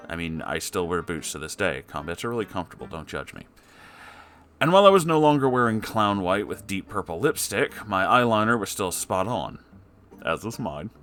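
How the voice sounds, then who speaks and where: Male host, low voice, story narration with casual wry commentary, faint music bed underneath. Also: expressive, moderate pace, a bit bright. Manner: conversational, wry, reacting to the story. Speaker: host reading a submitted story. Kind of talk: story reading with casual asides.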